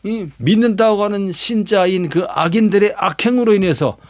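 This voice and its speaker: A man's voice: sits high, moderate pace, no echo. A middle-aged man preaching a sermon as a pastor, explaining scripture verse by verse with rhetorical questions and prompting asides.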